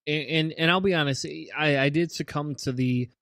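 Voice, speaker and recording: A man's voice: a little high, fairly quick, a bit bright, no echo, clean studio sound. Stammering, earnest man on a podcast. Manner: stammering restarts, repeats words. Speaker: podcast co-host. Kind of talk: casual chat.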